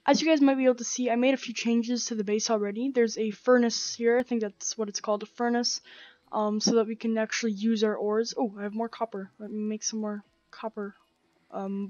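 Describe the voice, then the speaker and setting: A young woman with a croaky, sore throat, rambling casually as she plays and comments on a game, full of slang and fillers. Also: fairly high pitch, darkish tone, dry recording, lo-fi sound. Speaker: gaming channel host. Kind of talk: casual let's-play commentary. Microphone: gaming headset.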